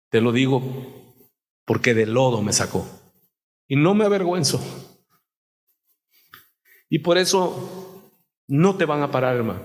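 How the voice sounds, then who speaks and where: A man preaching a passionate sermon as pastor, crying out and shouting biblical pleas, in a church. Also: medium pitch. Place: church hall. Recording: long church hall reverb.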